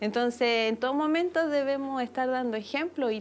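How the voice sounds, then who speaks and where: A woman speaks with a Chilean accent at a fairly slow pace. Her pitch varies in an ordinary way. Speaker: church women's ministry worker. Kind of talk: testimony.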